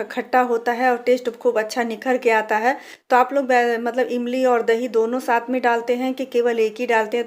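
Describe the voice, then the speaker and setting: A woman's voice: a little high, a little mellow. A woman from India, chatting with viewers in a casual home cooking and cleaning vlog from her kitchen. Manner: chatty, addresses viewers directly, frequent restarts. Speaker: vlogger.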